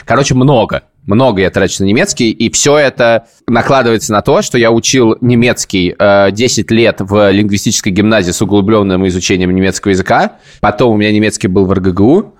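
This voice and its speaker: A man's voice: lowish voice, brisk, few pauses. A man hosting a podcast, chatting casually and telling long, self-ironic stories. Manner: rambling, self-ironic storytelling. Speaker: podcast host.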